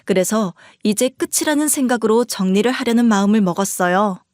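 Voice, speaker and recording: A woman narrating a dramatized first-person story in a plain, even recounting manner. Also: mid-range voice, a little fast, no room sound, studio quality.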